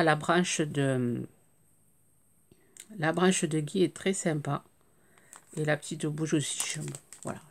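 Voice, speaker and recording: A French woman with a slightly hoarse voice, chatting casually and hesitantly about her crafting purchases, full of fillers and restarts. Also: deep voice, slight background noise. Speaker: crafting YouTuber. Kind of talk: casual haul show-and-tell.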